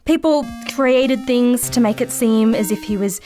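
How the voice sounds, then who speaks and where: Woman playing a british gaming podcast co-host, eager n teasing, bit high pitched, music in the background. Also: a little slow, mellow, close to an everyday voice. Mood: reasoning. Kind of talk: naturalistic audio drama dialogue, casual banter.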